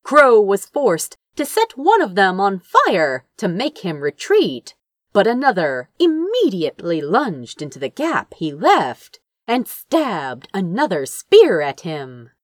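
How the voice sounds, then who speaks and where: A woman's voice: mid-range voice, huge pitch swings, slow pace, dry recording, clean studio sound. A woman reading a fantasy story aloud as narrator, with theatrical, suspenseful delivery. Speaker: fan fiction narrator.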